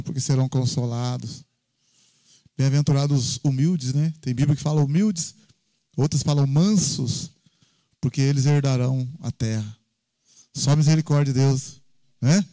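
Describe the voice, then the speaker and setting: A man with a Brazilian Portuguese accent preaching an informal sermon in a church, telling personal stories with lively frequent tag questions. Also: mid-range voice, no echo. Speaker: pastor.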